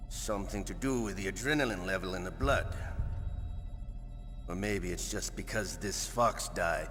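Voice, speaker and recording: A man's voice: deep voice, moderate pace, a bit bright. An actor playing a shrewd, cautious henchman in a video game cutscene, calculating and deferential to his boss. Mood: musing. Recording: long hall reverb under music.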